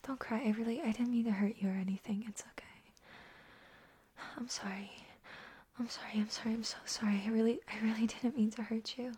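A young woman performing a whispered audio roleplay, voicing an anxious, apologetic young woman who soothes a crying partner in hushed, repetitive murmurs. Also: fairly high pitch, steady tone, fairly quick, husky. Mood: hushed, soothing.

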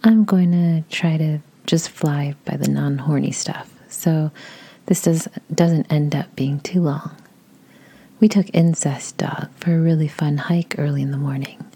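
A woman with a raspy voice, reading a post aloud in a soft, casual whisper. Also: deep voice, steady tone, measured pace. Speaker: audio creator reading posts.

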